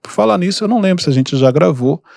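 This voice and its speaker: A calm man hosting a podcast, giving relaxed advice with lots of everyday examples. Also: high voice, creaky, no echo, studio quality. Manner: calm, unhurried, gives examples. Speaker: podcast host and mentor. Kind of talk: casual advice talk.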